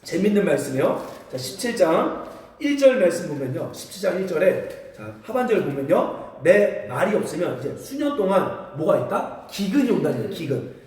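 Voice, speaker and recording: A man's voice: high-pitched, normal speed. A man preaching a sermon as pastor, telling stories and acting out voices as the congregation answers. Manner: animated storytelling, acts out voices. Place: church sanctuary. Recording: echoey church hall from far off.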